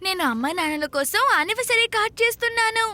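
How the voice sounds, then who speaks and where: A woman's voice: extremely high pitch, lively intonation, fast talker, bright, forceful tone, dry recording, heavily acted. A woman voicing an eager, encouraging young child in a children's cartoon, speaking in simple exclamations. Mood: busy, insistent. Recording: children's music behind the voice.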